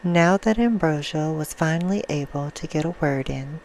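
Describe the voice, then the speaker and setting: A woman playing a vampire who reads a bedtime story in a hushed, soothing ASMR roleplay style. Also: deep voice, normal speed, vocal fry, slight background noise, rough recording. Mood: soft, storytelling. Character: female vampire reading a soft bedtime story.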